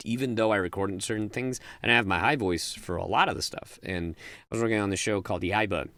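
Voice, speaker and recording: A young man with a low but sharply bright voice talks in a loose, animated way. He stumbles and restarts often, then jumps up into high-pitched bursts. The sound is close and dry, with no room around it. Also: quick pace, no echo. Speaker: voice actor guest. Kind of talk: casual interview chat.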